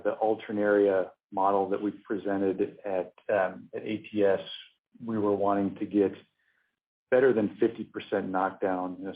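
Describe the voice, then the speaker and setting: Low-voiced careful man, phone-line sound. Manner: hesitant, measured, careful. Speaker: company scientist. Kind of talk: technical answer on an earnings call. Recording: narrow muffled phone line.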